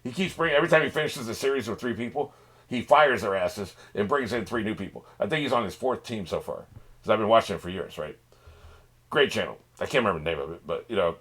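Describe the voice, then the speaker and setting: A man's voice: lowish voice, quick pace, a bit bright, husky. A man hosting a reaction channel, talking off the cuff in a rambling, profane way with many restarts. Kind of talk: casual unscripted monologue.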